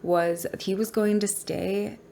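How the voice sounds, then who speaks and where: A woman's voice: medium pitch, steady tone, slow, creaky, mellow, slight background noise. A woman with a stuffy voice from a cold, chatting frankly to viewers about a true crime case. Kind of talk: casual talk to camera.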